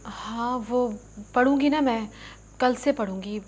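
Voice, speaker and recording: A woman's voice: on the high side, a little slow, a little mellow, a little hiss or hum, lightly acted. An actress playing a headstrong young unmarried woman talking with her family. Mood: playful. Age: young adult. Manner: playful, headstrong. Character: unmarried young woman, stubborn about marriage. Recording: music under dialogue.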